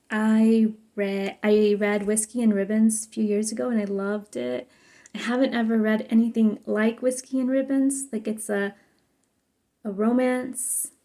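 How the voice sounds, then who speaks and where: A woman's voice: medium pitch, gravelly, warm tone. A young adult woman from Mexico, a native Spanish speaker, chatting casually and effusively to camera with many fillers and restarts. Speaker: book vlogger.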